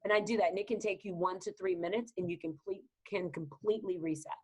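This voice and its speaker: This guest business advisor, a Texas woman with a Southern accent, has a husky, lowish voice and talks fast. Being interviewed on a podcast, she comes across as energetic, emphatic and motivational.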